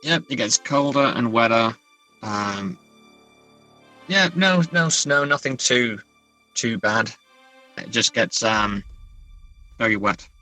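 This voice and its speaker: A man's voice: medium pitch, slow, pauses often, sharp tone, faint music behind, low-quality recording. A middle-aged man with an English accent, an author being interviewed, talking casually in a hesitant, thoughtful, understated way. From England.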